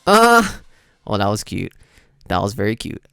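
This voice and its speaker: A man hosts a game reaction video with casual, slangy, exclamatory commentary while music plays behind him. His voice is lowish with vocal fry, swinging hugely in pitch at a normal speed.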